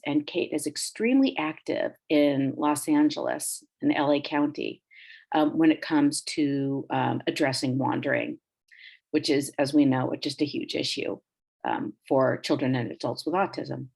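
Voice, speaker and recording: A woman's voice: deep voice, gravelly, slightly rough. A woman hosting a podcast interview, chatty and easygoing, with lots of ums and easy laughs. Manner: warm, chatty, many ums, laughs easily. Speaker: podcast host. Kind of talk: casual interview chat.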